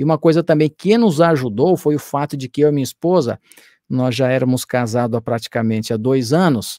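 Ordinary pitch variation over a quiet background, with a dry sound and no echo. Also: man, fairly quick pace. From Brazil. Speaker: missionary pastor. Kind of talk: casual interview. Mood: calm, reflective. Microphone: studio mic.

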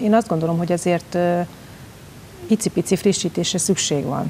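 Against light background noise, a woman talks at a fairly quick pace. Her pitch is fairly low and her intonation fairly even. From Hungary, Székesfehérvár; Hungary. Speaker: singer, choir conductor and music teacher; music educator, interview guest. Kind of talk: TV interview; interview answer. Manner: hesitant, with many filler sounds. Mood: calm, pleased. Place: studio. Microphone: lapel.

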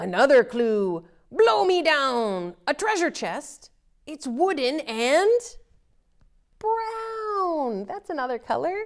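A woman talks at a high pitch with very wide pitch swings and big swings in loudness. Her pace is very slow. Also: quiet background. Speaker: presenter. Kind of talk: children's storytime reading and rhyme. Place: home room. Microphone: lapel.

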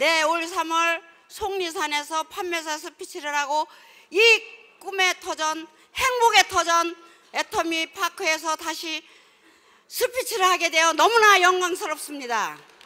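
A woman speaks in an extremely high, bright and sharp voice, raised and projected. She talks very slowly, with long, frequent pauses. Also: ordinary pitch variation. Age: 70s. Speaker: network marketing distributor; company seller giving promotion speech. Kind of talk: award acceptance speech. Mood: honored, warm, storytelling. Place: hall. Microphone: handheld.

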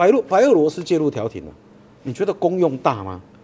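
A man's dark, mellow voice rises and falls in very wide pitch swings. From Taiwan. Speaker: talk show host. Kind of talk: political talk show. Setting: studio. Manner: animated. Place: studio.

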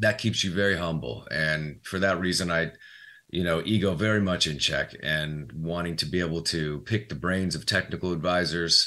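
Over a quiet background, a man speaks at a moderate pace with a very deep, low pitch, ordinary pitch variation and a bright, sharp tone. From upstate New York, near Albany; upstate New York. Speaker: actor. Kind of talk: casual interview. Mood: relaxed, good-humored. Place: home room. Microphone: webcam.

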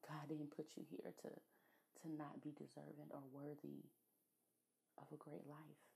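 Speaking at a fairly slow pace with long, frequent pauses, the voice has a dark, mellow tone, vocal fry and fairly even intonation. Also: woman, very deep, low pitch for a woman. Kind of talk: motivational talk. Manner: slow, reflective.

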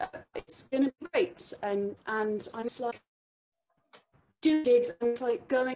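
Against clear background music, a woman speaks very slowly at a high pitch. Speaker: poet and performer; poet. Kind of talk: casual talk before a live-streamed reading; casual chat before performance. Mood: cheerful, slightly nervous. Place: home room. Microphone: video call.

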